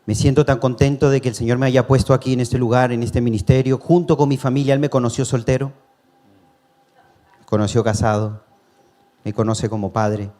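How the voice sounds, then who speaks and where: A man at the pulpit gives an earnest, personal testimony sermon. His voice sits at an ordinary middle pitch, and he addresses the congregation as brothers with the odd chuckle. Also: fairly even intonation, fairly quick, mellow. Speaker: preacher.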